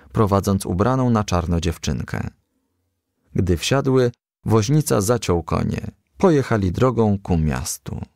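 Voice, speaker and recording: Gravelly low-voiced man reading a children's story. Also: a little mellow, no echo, studio quality. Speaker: audiobook reader.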